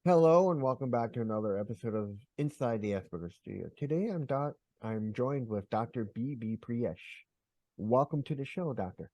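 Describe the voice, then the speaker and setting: A man hosts a podcast in a friendly, upbeat way, welcoming listeners and putting questions to his guest. His voice is warm and dark. The recording is close and dry, with no room sound. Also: mid-range voice, lively intonation, normal speed, no room sound. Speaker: podcast host. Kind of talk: podcast interview hosting.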